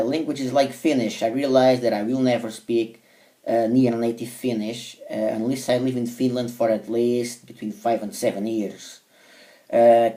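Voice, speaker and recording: Man, Portuguese accent, native Portuguese speaker, hesitant with many fillers, warm dark tone, a bit off-mic. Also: medium pitch, distant mic. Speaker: language learner vlogger. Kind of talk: casual monologue to camera.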